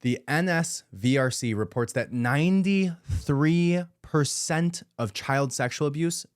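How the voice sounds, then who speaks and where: A man's voice: on the high side, measured pace, smooth, dry recording, clean studio sound. A man hosting a podcast, giving an emphatic, indignant commentary monologue and repeating his points for emphasis. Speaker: podcast host.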